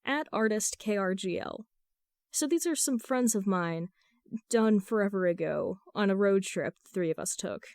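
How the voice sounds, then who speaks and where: A woman's voice: medium pitch, lively intonation, moderate pace, a little mellow, dry recording, studio quality. A woman reading a story aloud as scripted narration, in the style of an amateur audiobook. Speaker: fan fiction reader.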